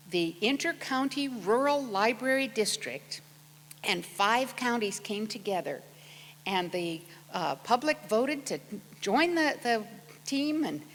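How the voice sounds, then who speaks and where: A woman's voice: a little high, a bit bright. American woman speaking in a reverberant hall. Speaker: library event host introducing an author. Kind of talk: prepared introduction speech to an audience. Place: large auditorium with long reverb. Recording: reverberant hall, clear background hum.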